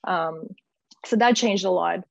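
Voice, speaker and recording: A woman's voice: fairly low pitch, a little slow, creaky. A woman giving informal, rambling conversational answers as an interview guest, often dropping in "like". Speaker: guest, community founder. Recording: echoey room, slightly dull audio.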